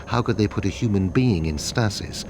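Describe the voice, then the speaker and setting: Over a clearly audible humming ambience, a grave military officer played by a male actor briefs in a low voice. He is measured and deliberate, letting pauses carry weight, in the manner of a dramatic game cutscene. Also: noisy background, natural voice.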